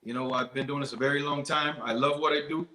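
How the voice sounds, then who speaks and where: A man who is a guest business owner on a live call-in show, his voice coming through robotic and glitchy over a lagging phone video call as he talks in halting, restarted sentences. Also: fairly high pitch, fairly even intonation, sharp tone, roomy sound, rough recording. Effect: robotic, glitchy video-call audio.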